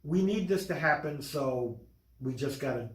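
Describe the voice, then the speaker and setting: A man talking casually about a film as a podcast co-host, emphatic and halting with restarts. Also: mid-range voice, expressive. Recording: echoey, roomy recording.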